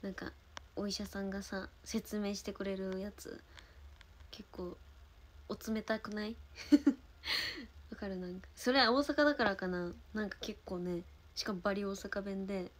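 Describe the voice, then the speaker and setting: A young woman from Osaka with a Kansai accent, chatting casually on a livestream and thanking viewers between stories, sometimes dropping into soft murmured asides. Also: mid-range voice, unhurried. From Osaka, Japan. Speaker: idol livestream host.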